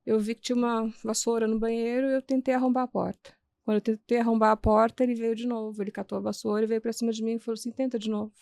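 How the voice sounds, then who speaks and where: A woman, a guest on an interview podcast, earnestly recounting events step by step, with frequent restarts and halting repetitions. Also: fairly high pitch, little pitch movement, creaky, darkish tone, dry recording. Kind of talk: personal storytelling in a podcast interview.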